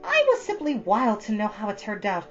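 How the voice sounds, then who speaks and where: A woman's voice: medium pitch, huge pitch swings, moderate pace, highs cut off, music in the background. A woman voicing a chatty, earnest thirteen-year-old girl from a storybook, rambling with solemn drama. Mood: flustered. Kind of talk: storybook character reading.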